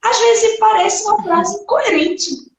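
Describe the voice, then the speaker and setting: A woman's voice: very high voice, takes it slowly. A woman pastor preaching an earnest sermon, often tagging her sentences with "né" and acting out quoted voices. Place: church hall. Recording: echoey church hall from far off.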